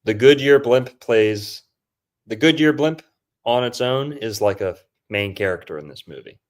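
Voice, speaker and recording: A young podcast host with an expressive, mid-range voice comments on a film over a video call at a measured pace. He jokes and mocks throughout, slipping now and then into put-on impressions.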